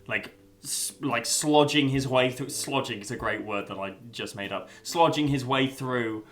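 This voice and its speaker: A man's voice: medium pitch, measured pace, a bit bright. A young man giving a casual spoken review, rambling with lots of fillers and restarts, and swearing now and then. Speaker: video essayist reviewing a story.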